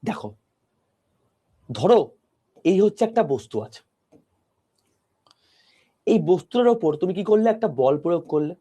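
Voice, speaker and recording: Soft-spoken guy teaching physics online, mellow slightly high voice, close mic, asks lots of questions. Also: lively intonation, a little slow, long pauses. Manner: talks softly to a close mic, explaining step by step with rhetorical questions. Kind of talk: online class lecture.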